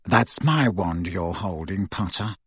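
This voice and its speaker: A man acts out a haughty teenage rival from a fantasy storybook. His voice is brittle and a little rough, his manner sneering and impatient. It is recorded dry. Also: medium pitch, very animated, a little slow, dry recording, exaggerated voice.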